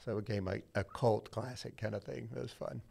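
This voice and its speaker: A man's voice: lowish voice, steady tone, fairly quick, vocal fry, crowd noise. A middle-aged man telling his story in a casual, rambling, self-deprecating way as a podcast guest. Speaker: church media director, guest.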